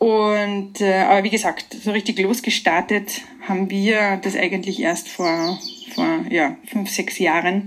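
Through noticeable background noise, a woman speaks at a very slow pace in a medium pitch with fairly even intonation. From Austria, Carinthia (Klagenfurt). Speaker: organic farmer. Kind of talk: interview. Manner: hesitant, many filler sounds.

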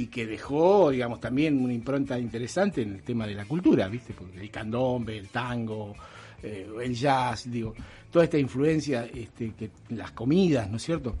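With music in the background, a man in a Rioplatense accent speaks at a moderate pace and medium pitch, his intonation lively and his loudness swinging widely. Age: 60s. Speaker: activist and publisher. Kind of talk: interview.

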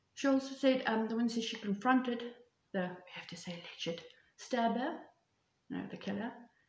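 Moderately paced speech from a woman, somewhat breathy, her pitch varying in an ordinary way. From South Africa. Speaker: true crime podcast host. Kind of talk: solo podcast narration of news stories. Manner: casual, chatty asides.

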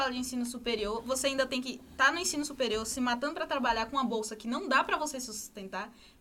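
Over noticeable background noise, a woman with a high pitch speaks in a raised, projected voice at a very fast pace with ordinary pitch variation. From southern Bahia, Brazil (Itabuna). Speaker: university student and student representative. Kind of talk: podcast discussion.

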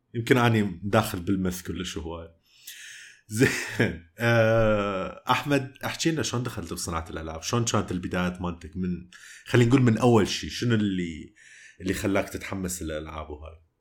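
Using an unremarkable speaking voice, a man talks at a moderate pace and fairly low pitch, with ordinary pitch variation and big swings in loudness. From Iraq. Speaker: podcast host. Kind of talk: casual interview.

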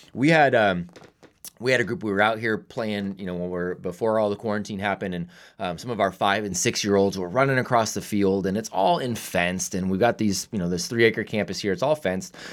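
A man talks at a fairly quick pace in a plain, everyday voice. His pitch is fairly low, with ordinary variation. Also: very clean recording, silent background. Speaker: podcast host. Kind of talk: casual interview conversation.

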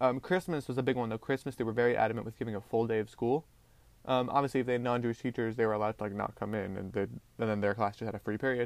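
An American-accented man speaks at a very fast pace with fairly even intonation. The background is quiet. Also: medium pitch for a man. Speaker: college student podcaster. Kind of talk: casual monologue. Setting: home recording. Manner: fast talker.

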